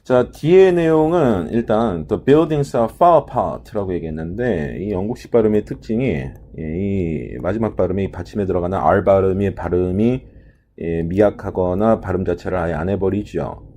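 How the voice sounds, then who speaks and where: A deep-voiced man teaches a TOEIC listening lesson, walking through answers step by step and speaking pronunciation examples aloud. He sounds animated and mellow at a normal speed, filling his lecture with short fillers like "ja" and "ye." Slight background noise is present.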